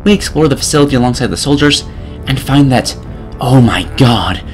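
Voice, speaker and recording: A man's voice: mid-range voice, lively intonation, brisk, soft background music. A man narrating a scripted comedic game review in an exasperated, sarcastic way.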